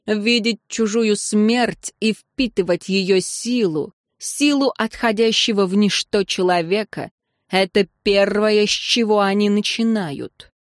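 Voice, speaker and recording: A woman voicing a calm, ruthless older priestess mentor who speaks quietly and coldly, matter-of-fact about death. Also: mid-range voice, takes it slowly, no room sound, studio quality, close to an everyday voice.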